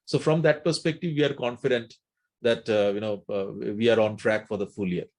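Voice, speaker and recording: A middle-aged man, a company executive, answering questions on an earnings call in a measured, explanatory manner. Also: medium pitch, steady tone, a little mellow.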